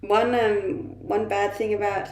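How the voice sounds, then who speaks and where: A woman's voice: medium pitch, flat delivery, slow, darkish tone, echoey room. A woman from Denmark casually chatting through a morning livestream, often laughing to herself, a little stuffy-nosed. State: blocked nose from blowing it a lot. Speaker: livestreamer reading chat. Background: faint music.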